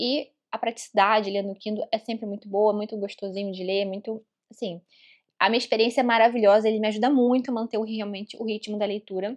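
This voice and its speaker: A woman talks at a very fast pace in a fairly high pitch, her intonation fairly even and the sound dry and close with no echo. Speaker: book YouTuber. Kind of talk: casual vlog with shopping tips. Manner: chatty, with filler words.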